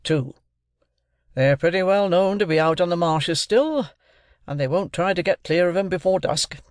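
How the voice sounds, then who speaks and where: A bluff army sergeant from an old storybook, brisk and commanding, then hearty over a glass, as a male narrator puts him on. The voice sits a touch high and loud, in a dry, close recording. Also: animated, dry recording.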